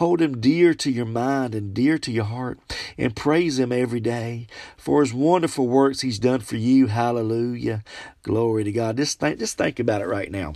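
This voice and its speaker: A man speaks at a moderate pace in a medium pitch, his dark, mellow tone carrying ordinary pitch variation on a very clean recording with a silent background. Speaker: devotional podcast host. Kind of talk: devotional teaching. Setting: solo podcast recording. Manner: halting.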